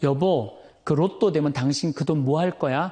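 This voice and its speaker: A man puts on a nasal character voice with a fairly high pitch and very even loudness. He speaks at a moderate pace against a quiet background. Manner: coy, teasing.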